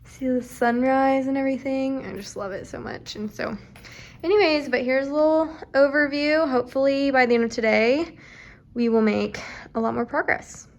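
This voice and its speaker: A woman's voice: sits high, fairly even intonation, normal speed, highs cut off, a little hiss or hum. A young woman, vlogging casually as a first-year teacher from her car and her classroom, chatty and rambling with many fillers. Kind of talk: casual vlog chat.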